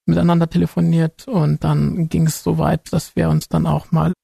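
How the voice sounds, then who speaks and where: Creaky-voiced man in his mid-thirties. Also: fairly high pitch, flat delivery, normal speed, mellow, dry recording, clean studio sound. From central Germany. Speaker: interview guest. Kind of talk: casual chat.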